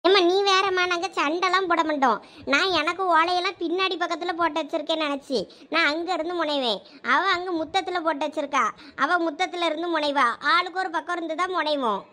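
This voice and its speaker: A woman voicing a cheeky, shrill village girl. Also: steady tone, fast, pushed and bright. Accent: Thoothukudi Tamil. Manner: cheeky, back-talking. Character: cheeky young village daughter, boastful.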